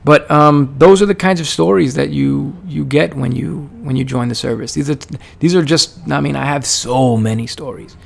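Male podcast host, army veteran, casual monologue; strong vocal fry, loose and rambling delivery. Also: medium pitch, normal speed, hardly any pauses. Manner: rambling, many fillers and restarts.

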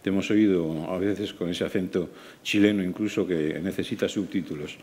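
An older man, interviewing a director with measured, leading questions in a small festival room. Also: deep voice, steady tone, a little mellow, husky.

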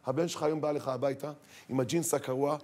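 A man lecturing parents as a rabbi, dramatic, acting out scolding voices and swinging from loud to hushed. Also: fairly high pitch, fairly even intonation. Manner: dramatic, acts out scolding parents and teens, shifts from shouting to hushed. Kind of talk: sermon.

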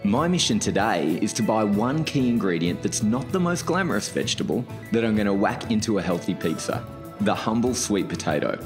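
A man in his thirties hosts a cooking show, his voice sitting slightly low and easy. He talks upbeat and keen, with bright music playing beneath him throughout. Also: big pitch swings, a little fast. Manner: upbeat, enthusiastic. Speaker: host. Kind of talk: lifestyle cooking show narration and chat. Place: outdoors at a market, farm and garden.

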